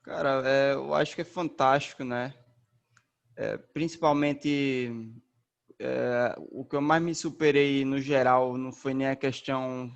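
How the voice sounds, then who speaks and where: Laid-back young Brazilian racing driver. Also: male voice, mid-range voice, vocal fry, muffled recording. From Northeast Brazil. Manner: relaxed and slangy, many fillers. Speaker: race car driver, interview guest. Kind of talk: casual interview answers.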